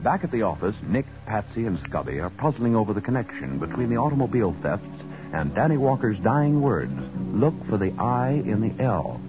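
A man's voice: fairly low pitch, very animated, a little fast. A man announcing and narrating in a dramatic 1940s radio style. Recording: muffled old radio broadcast. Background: loud organ music.

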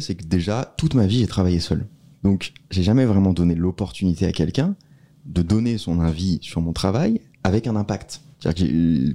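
A man co-hosting a casual podcast, laying out ideas in a steady, measured way. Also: deep voice. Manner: explains rules in a steady, measured way. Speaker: podcast co-host.

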